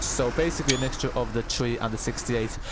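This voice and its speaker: A man speaks at a very fast pace. Behind him, music plays. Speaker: gaming livestreamer. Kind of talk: live gameplay commentary.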